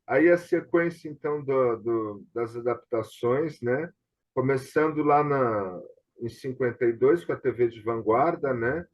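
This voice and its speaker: A man's voice: medium pitch, a little slow. A Brazilian man hosting a conversation, reading out items and commenting casually, over dull online call audio. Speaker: host.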